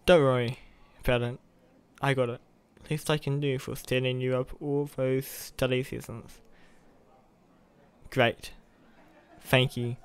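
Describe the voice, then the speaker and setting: A man's voice: mid-range voice, level tone, unhurried, long pauses, clean tone, close to an everyday voice. A young man playing an awkward, earnest college student who is secretly a superhero, in a roleplay audio with hesitant delivery. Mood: friendly, casual.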